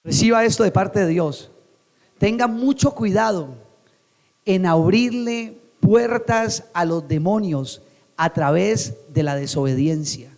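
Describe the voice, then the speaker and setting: A young Colombian pastor preaches with a strikingly high, bright voice and lively, theatrical delivery. He jumps into dramatic voices as he quotes scripture. His words ring through a church hall with a long echo trailing behind. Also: slow pace. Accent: Colombian Spanish. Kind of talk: sermon. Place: church sanctuary.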